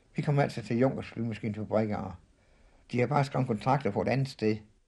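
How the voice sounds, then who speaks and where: Fairly quick and somewhat breathy, a man's voice carries a dark, mellow tone at a medium pitch with ordinary pitch variation. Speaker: former wartime worker in Germany. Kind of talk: testimony. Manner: halting.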